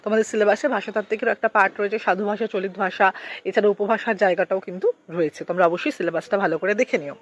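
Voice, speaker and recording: A teacher working through exam-prep lecture notes, reading them out in a steady, methodical way and going through long lists of examples. The voice sits at a middling pitch. The recording is dull and lo-fi. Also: very fast.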